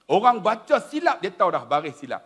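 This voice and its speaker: A man's voice: high-pitched, brisk, slightly rough. A middle-aged man with a Malaysian Malay accent giving a humorous religious lecture, telling stories and often addressing his audience directly. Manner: animated storytelling, addresses audience as tuan-tuan. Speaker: preacher.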